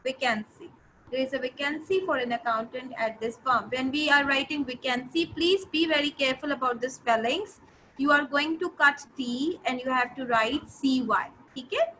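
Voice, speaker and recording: A woman's voice: high-pitched, moderate pace, sharp tone, a little hiss or hum, low-quality recording. A woman with a South Asian accent teaching an interactive grammar lesson, instructive, repeating phrases and checking that pupils understand. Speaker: English teacher.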